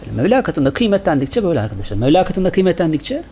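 A man's voice: fairly high pitch, very animated, very fast, dark tone, slight background noise. A male preacher giving a sermon to a congregation, asking the listeners questions, answering them himself and repeating words in rhythmic runs. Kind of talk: Friday sermon talk to a congregation. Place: small mosque.

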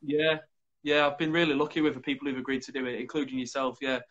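A man in his thirties hosting a video call chat, quick and enthusiastic. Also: medium pitch, steady tone, a bit bright, lo-fi sound. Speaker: host. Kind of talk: casual chat.

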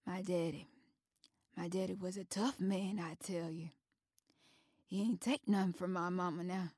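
Woman acting a husky, folksy older Southern woman. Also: on the low side, steady tone, normal speed, a little mellow, no room sound, studio quality, pitched below the performer's own voice. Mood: wistful, proud. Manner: folksy, reminiscing. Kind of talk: dramatic monologue.

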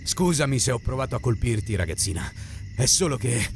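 A man voicing a gruff, middle-aged bearded man in an audiobook, swearing and giving unsteady orders. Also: medium pitch, big pitch swings, a little fast, soft background music. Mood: shaky.

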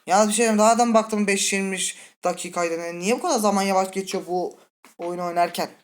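A man's voice: sits high, quick pace. A man hosting a gaming channel, giving let's-play commentary while he plays a horror game, jittery and scared, muttering curses and talking straight to his viewers. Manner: talks directly to viewers.

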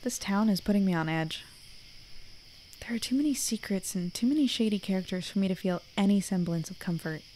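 Audio drama lead, played by a woman: guarded, candid female investigator, medium pitch, light insect-like background noise. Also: a little mellow, close to an everyday voice, rough recording. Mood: uneasy. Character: wary, frank young woman investigator, secretly human. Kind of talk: audio drama narration and dialogue.

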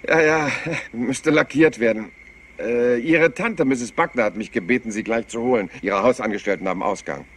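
An actor playing a polite, absent-minded police inspector who rambles apologetically and hesitantly in a crime drama. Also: male voice, mid-range voice, normal speed, slight background noise, natural voice. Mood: apologetic. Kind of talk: dubbed TV crime drama acting.

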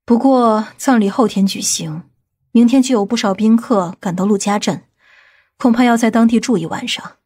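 A woman playing a composed, authoritative middle-aged aunt in audiobook drama dialogue, speaking in a measured way. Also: a little high, darkish tone, breathy edge. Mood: composed, instructing.

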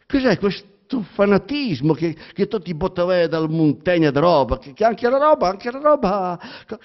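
A man with a Romagna accent reading a theatrical monologue aloud, halting and stammering, full of repetitions and fillers. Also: high voice, big pitch swings. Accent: Romagna Italian. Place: public library reading event. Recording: dull lo-fi recording.

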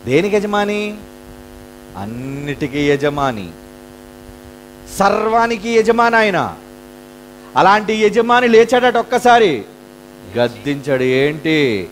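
A man's voice: high voice, very animated, slow, long pauses, slight background noise. A man preaching a sermon in a dramatic storytelling way, acting out the voices in the stories. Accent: Telugu.

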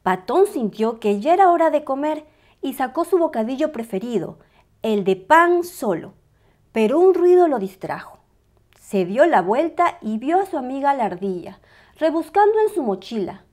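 A woman reading a picture book aloud as a storyteller, with expressive, dramatized narration for small children. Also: sits high, normal speed.

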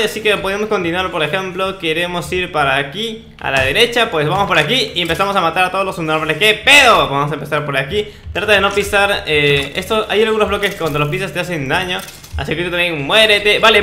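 High, bright-voiced young man gaming. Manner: playful mock-boastful, slangy. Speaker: gaming video host. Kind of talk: casual gameplay commentary. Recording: roomy echo, faint noise, clicks.

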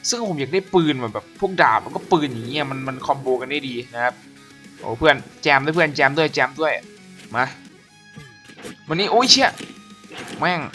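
A man giving casual gameplay commentary as a gaming YouTuber, excitable and profane, often shouting at the enemies on screen. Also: a little high. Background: game music.

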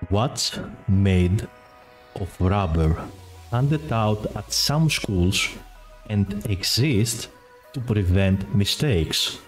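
A man's voice: on the low side, animated, drawn-out words. A man hosting a streamed quiz show in English, which is not his first language, playful and teasing, laughing often. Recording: music playing behind.

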